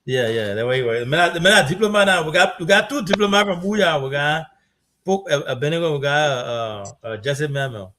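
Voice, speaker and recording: A man hosting a live-streamed talk show, joking with his guests and thanking them warmly. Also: fairly high pitch, brisk, a little hiss or hum. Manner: jovial, thanks guests, banters. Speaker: show host.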